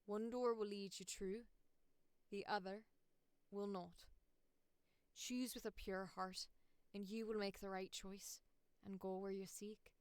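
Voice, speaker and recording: A woman voicing a solemn, mystical female guide from a fantasy quest, with measured, portentous delivery. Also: mid-range voice, fairly even intonation, clean tone, no echo, close to an everyday voice.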